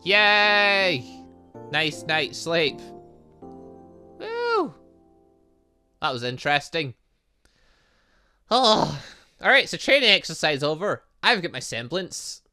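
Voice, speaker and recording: A man commentating on a game as its host, excitable and rambling, thinking aloud with frequent asides and exclamations. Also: fairly high pitch, slow pace, long pauses, soft background music. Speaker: gaming channel host. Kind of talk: let's-play commentary, reading game dialogue aloud.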